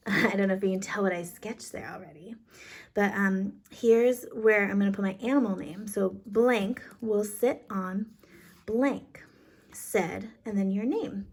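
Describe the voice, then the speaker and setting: A woman's voice: medium pitch, unhurried, slightly rough. A woman kindergarten teacher explaining a lesson casually, step by step, in an informal, encouraging way.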